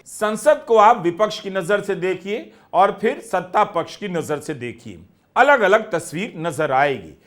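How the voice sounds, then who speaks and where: A man hosting and narrating scripted news commentary in a measured, explanatory way. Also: sits high, expressive, fairly bright tone.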